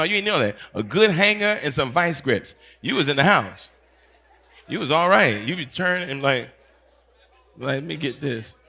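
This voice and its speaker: A pastor in his fifties, talking in a playful, animated way and teasing his audience with quick call-outs. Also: high voice. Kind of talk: playful teaching session talk.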